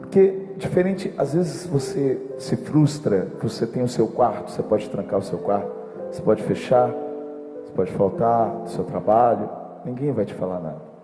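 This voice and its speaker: A man's voice: mid-range voice, expressive, moderate pace. A man with a Brazilian Portuguese accent, speaking reflectively to a congregation. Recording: echoey hall with music.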